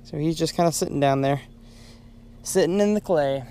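Young male fishing vlogger, excitable and chatty, out on a boat, on a chest-mounted camera. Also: a little high, normal speed, a little hiss or hum. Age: young adult. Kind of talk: casual fishing vlog. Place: outdoors on a fishing boat on a lake.

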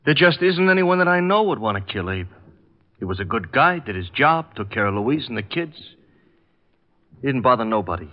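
A man's voice: mid-range voice, sing-song, lightly acted. Actor as a blunt working man, echoey recording. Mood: subdued, defensive. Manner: blunt, colloquial, halting. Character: dutiful working-class brother of murdered man. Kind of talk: 1950s radio drama acting. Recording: echoey, muffled old radio recording.

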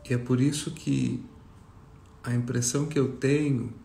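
A Brazilian man leading a guided meditation talk for a group, speaking reflectively with long pauses. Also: medium pitch, flat delivery, creaky, mellow, slight background noise. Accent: Brazilian Portuguese. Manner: slow, pausing, reflective. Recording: roomy echo, faint music behind.

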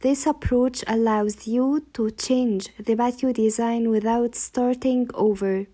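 A woman reading a scripted voice-over narration for a channel in an even, unhurried tone. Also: on the high side, heavy background noise. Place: voice-over over slideshow.

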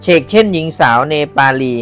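A man's voice: brisk, a bit bright, soft background music. A man reading a travel book aloud in a casual way, breaking in with chatty asides and exclamations. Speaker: book reader and podcast host.

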